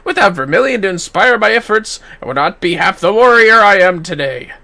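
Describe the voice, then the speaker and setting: A man's voice: sits high, animated, brisk, vocal fry, bright, forceful tone, exaggerated voice. A man voicing an earnest, eager young swordsman from a fantasy game, speaking in formal, archaic, valiant phrases.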